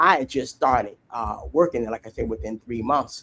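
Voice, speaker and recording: The speaker is male. Vocal fry runs through his voice. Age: 60s. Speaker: live stream participant, former media worker. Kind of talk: casual chat. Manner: halting.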